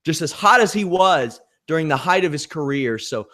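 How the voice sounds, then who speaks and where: A man's voice: a little high, expressive, normal speed, sharp tone. A man with a nasal voice co-hosting a casual wrestling podcast, given to dry, sarcastic asides. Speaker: podcast co-host.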